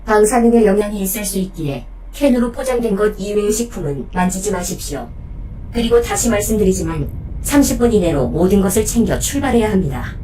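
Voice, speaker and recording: A soft, mellow female robot acted by a woman who looks after her companion in an audio drama. She speaks at a medium pitch with formal, logical precision, over faint ambient noise. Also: lively intonation, natural voice, rough recording. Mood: cautioning. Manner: formal, measured, matter-of-fact. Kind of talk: Korean audio drama acting.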